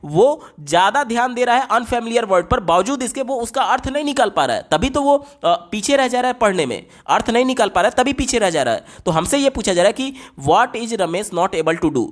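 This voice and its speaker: High-voiced man teaching exam prep. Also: lively intonation. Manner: reads English question text slowly, explains in Hindi, repeats key points. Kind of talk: exam-prep lesson explaining answer options.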